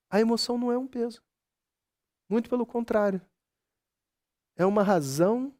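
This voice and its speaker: A man speaks in a conversational talk to a live audience. His voice is gravelly and dark, sitting a little high for a man. He keeps checking in with the listeners as he goes. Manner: conversational, keeps asking "sabe?" and "você entende?"; acts out quoted dialogue with his mother. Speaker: spiritual speaker.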